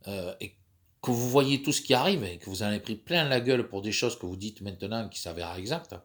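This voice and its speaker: Casting: man, 50s, lowish voice, stuffy from a cold, rambling monologue with many hesitations. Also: expressive, fairly quick. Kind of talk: personal monologue.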